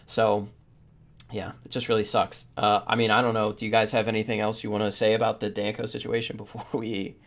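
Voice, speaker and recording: A man's voice: on the low side, flat delivery, brisk, a bit bright. A man hosting a podcast in casual discussion, rambling through his opinions with the odd chuckle as he talks. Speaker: podcast host.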